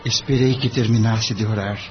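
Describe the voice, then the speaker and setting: A man voicing an earnest, polite young lawyer gently reassuring a client. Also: lowish voice, fairly even intonation, moderate pace, soft background music, natural voice. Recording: dull lo-fi with faint noise.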